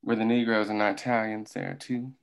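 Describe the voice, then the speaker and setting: A cold, commanding boss, played by a man in a period drama read-through. His voice is on the low side, with heavy gravel. He speaks in curt orders. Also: little pitch movement, normal speed, natural voice. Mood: stern. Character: cold, commanding company boss questioning an informant. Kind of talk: table read of a historical drama script.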